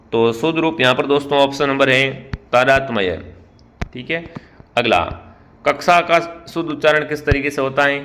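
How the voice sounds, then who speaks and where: A male online teacher with a Rajasthani Hindi accent runs a quick-fire spelling quiz. His voice is bright and forward, and it sits at an ordinary middle pitch. He keeps putting questions to the viewers and then answers them himself. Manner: keeps calling out to the viewers as friends. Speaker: online exam-prep teacher.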